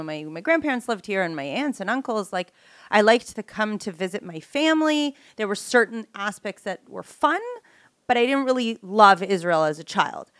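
A woman's voice: medium pitch, a bit bright, dry recording, studio quality. A woman, hosting a casual conversational interview. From Canada. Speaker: podcast host and interviewer. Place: small home-style studio, indoors. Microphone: close studio microphone with headset monitoring.

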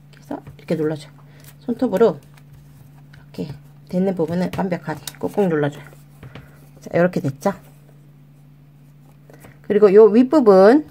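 Lively sing-song woman teaching kids origami. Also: mid-range voice. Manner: sing-song, coaxing, addresses children as friends. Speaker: children's origami channel host. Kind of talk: step-by-step craft tutorial for kids.

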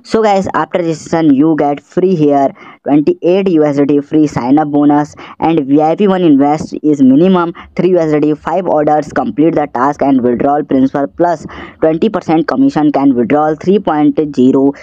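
A man's voice: on the high side, normal speed, warm tone, dry recording. A man with a South Asian accent narrating a tutorial step by step in non-native English, repeating himself as he promotes an app. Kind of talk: screen-recorded tutorial narration. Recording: dull, lo-fi voice-over.

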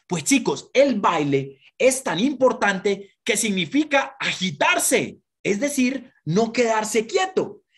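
Woman presenter for children, husky voice, lively and full of questions. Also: medium pitch, slow pace, few pauses. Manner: animated, asks children questions and has them repeat words.

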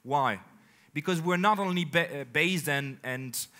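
A French company executive in his thirties delivers an energetic keynote on a large indoor conference stage. His somewhat high voice carries a French accent, and he speaks in phrases broken by emphatic pauses.

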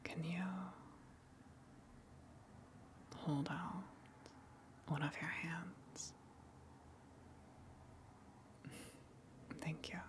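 A woman playing a gentle, lonely sea monster in an ASMR roleplay, coaxing softly in a breathy, soothing whisper. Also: deep voice, background noise, exaggerated voice. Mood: tender, reassuring. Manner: slow, soothing, coaxing, long pauses.

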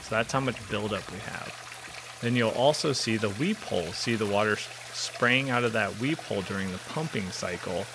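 There's background noise as a thirties-aged man, his voice on the low side and his pace moderate, teaches a home repair job in a basement with concrete walls. His step-by-step explanation is clear, methodical and practical.

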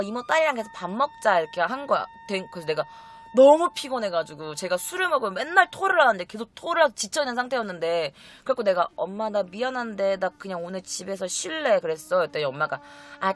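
A young woman casually telling a personal story to her viewers, acting out the voices of her relatives as she goes. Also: medium pitch. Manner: animated, acts out quoted relatives in shifting voices. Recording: faint music behind.

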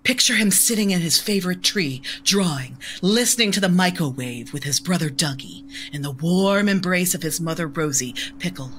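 A woman voicing a mystic who leads a seance, speaking in a solemn, hushed, incantatory way. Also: on the low side, lively intonation, moderate pace, few pauses, slight background noise. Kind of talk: audio drama acting.

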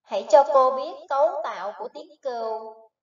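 A woman teacher giving a slow, patient phonics lesson to young children, spelling out sounds one syllable at a time. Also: high voice. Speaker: primary school teacher. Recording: echoey, distant, dull recording.

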